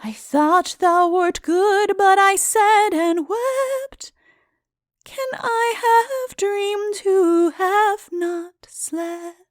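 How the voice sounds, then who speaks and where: A woman's voice: extremely high pitch, expressive, drawn-out words, no room sound, clean studio sound, faint music behind, full character voice. A woman playing a bereaved ghost lady in a storybook ballad, singing a plaintive, wailing lament. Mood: grieving, plaintive. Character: weeping ghost lady, bereaved young mother, wan and wistful. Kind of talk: slow sung lament.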